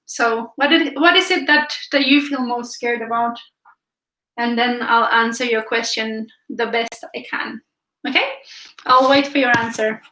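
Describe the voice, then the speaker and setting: High bright-voiced Finland Swedish woman. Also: fairly even intonation, measured pace, reverberant, rough recording. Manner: chatty, reads viewer comments aloud, frequent restarts. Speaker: art livestream host. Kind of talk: casual live-stream chat while painting. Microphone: camera filming from above.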